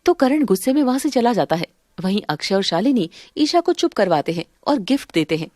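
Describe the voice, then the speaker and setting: A woman's voice: medium pitch, fairly quick, no room sound, clean studio sound. A woman narrating a family drama and voicing its characters in a dramatic manner. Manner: dramatic, switches between calm narration and quarrelsome voices. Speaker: narrator and voice of several women. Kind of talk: Hindi family-drama storytelling with voiced parts.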